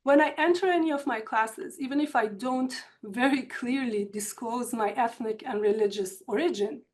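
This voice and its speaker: A woman with an Iranian accent, a university instructor giving a measured, earnest prepared talk in an online seminar. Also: fairly high pitch. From Iran. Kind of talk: academic webinar presentation. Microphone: computer mic on a video call.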